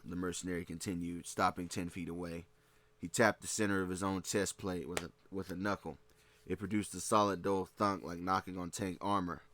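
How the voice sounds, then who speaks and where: A man narrating a fan fiction story. His voice sits very low and the delivery is steady, with the odd slip and restart. The recording is dry and close, with no room sound. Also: no room sound. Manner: steady reading with occasional slips and restarts.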